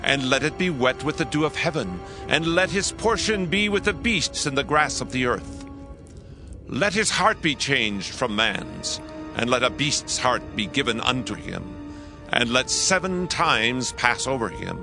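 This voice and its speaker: A man's voice: mid-range voice, sing-song, a little slow, over music. An actor playing a proud, grandiose king of Babylon in a dramatized scripture reading, declaiming dramatically. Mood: solemn.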